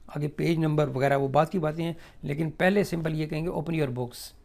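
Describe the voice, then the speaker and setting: Gravelly man teaching English phrases. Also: a little high, fairly even intonation, a little mellow. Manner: slow, drawn-out model sentences in English, then Urdu explanation with many fillers. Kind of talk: spoken English lesson explained in Urdu.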